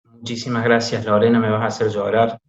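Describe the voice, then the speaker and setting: A man's voice: lowish voice, monotone, a little fast, slight background noise. A middle-aged man with a sing-song Córdoba accent speaks in a loose, hesitant way, stopping often on fillers. His voice comes through a video call that sounds dull and roomy. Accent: Cordobés Argentine Spanish. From Córdoba, Argentina. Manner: warm, hesitant with many fillers. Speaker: guest speaker, doctor. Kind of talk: talk for a video presentation.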